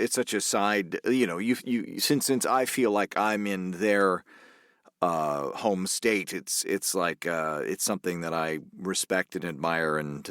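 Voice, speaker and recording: A man's voice: low-pitched, fairly bright tone, no echo, clean studio sound. A man from Canada with a North American accent, a voice actor chatting casually and hesitantly in an interview from a soundproof booth. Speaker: voice actor and audiobook narrator. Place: small soundproof recording booth.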